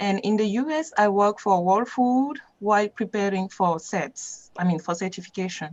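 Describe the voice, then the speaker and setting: A woman in a French accent speaks with lively intonation and hardly any pauses. The background is quiet. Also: moderate pace. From Cameroon. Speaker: IT intern. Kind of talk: mock job interview self-introduction. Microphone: video call.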